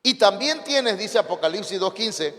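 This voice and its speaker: Mexican preacher guy, fairly high voice, big echoey church hall, keeps asking the crowd stuff. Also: moderate pace. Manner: lively preaching, questions the congregation. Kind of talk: sermon.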